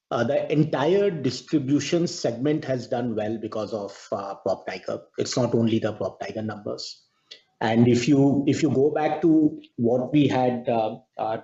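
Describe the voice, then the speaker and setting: A man with a mellow, dark voice talks from a roomy space over an earnings call line. He comments as a senior executive, haltingly and reflectively, often repeating words. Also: mid-range voice. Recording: muffled, echoey conference call audio.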